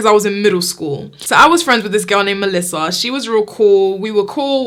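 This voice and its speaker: Over noticeable background noise, a woman with an American accent talks at a fairly quick pace in a medium pitch, with ordinary pitch variation. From Florida, US. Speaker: YouTuber. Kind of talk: storytelling vlog. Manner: animated.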